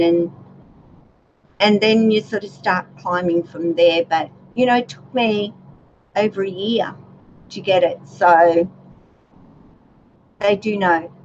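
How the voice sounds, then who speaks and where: A woman with a soothing voice, hosting a relaxed livestream chat with her viewers, gentle and chatty with many fillers. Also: mid-range voice, takes it slowly, long pauses. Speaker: YouTube channel host. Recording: dull lo-fi livestream audio with faint noise.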